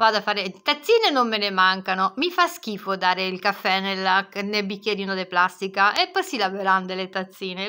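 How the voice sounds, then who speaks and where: The speaker is a woman with a medium pitch. Her tone is bright and sharp. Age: 60s. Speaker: vlogger and knitting teacher; vlogger, knitting teacher. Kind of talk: casual vlog talk. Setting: at home. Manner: animated. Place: home room.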